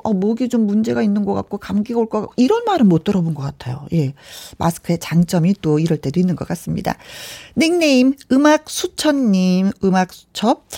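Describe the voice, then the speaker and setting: Mellow, lively woman radio host. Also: medium pitch, no echo. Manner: chatty, conversational, often breaks into giggles. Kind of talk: warm-up monologue and reading listener messages on live radio. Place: radio studio. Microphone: close studio microphone.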